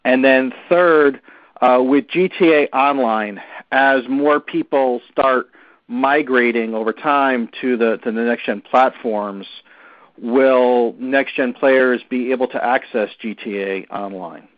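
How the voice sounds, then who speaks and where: Analyst listing questions over a tinny phone. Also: male voice, mid-range voice, slow, no echo. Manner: orderly, lists points one by one. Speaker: financial analyst asking questions. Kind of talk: conference call question. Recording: dry tinny phone line.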